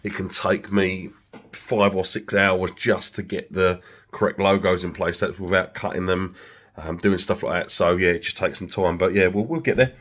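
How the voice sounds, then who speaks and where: A man with a flu-croaky voice, casually explaining his livery design work in a workshop vlog. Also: deep voice, fairly even intonation, moderate pace, fairly bright tone. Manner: chatty, explains steps with many fillers. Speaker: vinyl livery maker.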